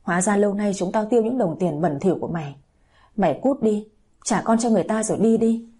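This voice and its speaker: A woman's voice: mid-range voice, expressive, fast, mellow, breathy edge. A woman voicing a heartbroken older mother, crying and scolding harshly. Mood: anguished anger. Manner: wailing, harsh.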